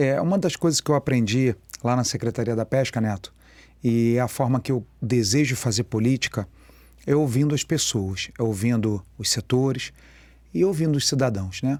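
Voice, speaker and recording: On a very clean recording with a silent background, a man with a Rio de Janeiro accent speaks at a moderate pace with ordinary pitch variation. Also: medium pitch for a man. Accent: carioca. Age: 40s. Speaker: political candidate. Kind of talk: radio interview.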